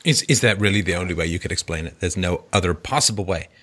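A man's voice: deep voice, fast talker, fairly bright tone. A male call-in show host asking probing, skeptical questions.

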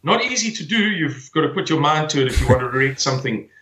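A man's voice: fairly high pitch, lively intonation, quick pace, a bit bright, roomy sound, rough recording. A man in his forties from South Africa, talking as a guest in a conversational interview, often hesitating and repeating words as he searches for them. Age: 40s.

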